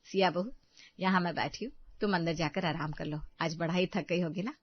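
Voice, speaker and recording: A woman's voice: fairly low pitch, a little fast, dry recording, voice pushed down, lightly acted. A woman voicing a strict but sensible middle-aged mother-in-law who speaks firmly. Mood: curt. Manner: firm, no-nonsense. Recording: dull, dry sound.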